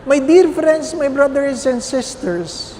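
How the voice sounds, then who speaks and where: A man's voice: very high-pitched, expressive, slow, dark tone, long reverb tail, a little hiss or hum. A man, a Catholic priest, preaching a homily with humorous stories and constant questions to his congregation. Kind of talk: sermon.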